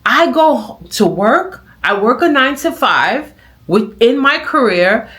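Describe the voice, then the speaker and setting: A middle-aged woman vlogger giving casual reaction commentary, telling stories in an animated way with acted-out quotes. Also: a little high, slow.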